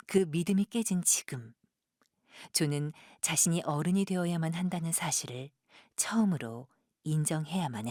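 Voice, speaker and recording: A woman's voice: low-pitched, darkish tone, no room sound, studio quality. A woman narrating an audio drama from a script as a storyteller.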